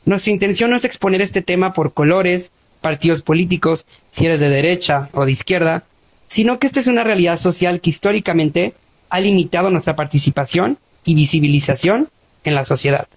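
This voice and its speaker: A woman's voice: lowish voice, a little fast, husky. A woman with a Mexican accent delivering a scripted statement as a disability rights activist.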